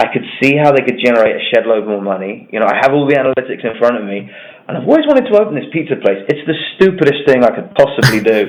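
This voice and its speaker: Over noticeable background noise, a man with a British accent speaks at a very fast pace. His voice sits at a medium pitch with lively intonation. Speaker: agency owner, entrepreneur. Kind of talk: casual chat.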